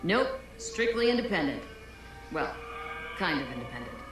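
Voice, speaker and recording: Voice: medium pitch, big pitch swings, moderate pace, close to an everyday voice. A voice actor playing a friendly independent street vendor in a video game. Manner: friendly sales patter. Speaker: game character. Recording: game audio in a roomy space with music.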